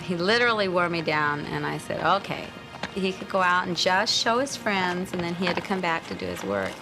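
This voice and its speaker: A middle-aged mother recounting in an interview the day her son was hurt, speaking in a measured, earnest way. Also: fairly low pitch, big pitch swings. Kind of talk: interview recollection. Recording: music bed under voice.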